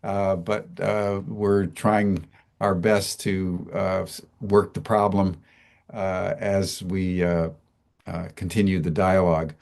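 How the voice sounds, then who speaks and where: Low-voiced man hosting, halting and slow. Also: level tone, vocal fry, a little mellow. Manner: halting, many "uh" fillers and restarts. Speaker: host. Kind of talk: slow, hesitant interview talk.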